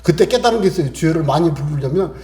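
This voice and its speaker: A man's voice: a little high, lively intonation, quick pace, echoey room, a crowd in the background. A man preaching a sermon as a pastor, emphatic and repetitive, firing rhetorical questions at the congregation.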